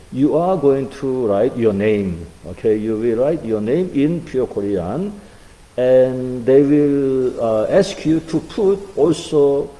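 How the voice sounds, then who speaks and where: Slow, dark-voiced man teaching a class. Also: mid-range voice, big-room sound, low-quality recording. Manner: slow, halting, many fillers. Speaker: Korean language teacher. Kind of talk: online class lecture.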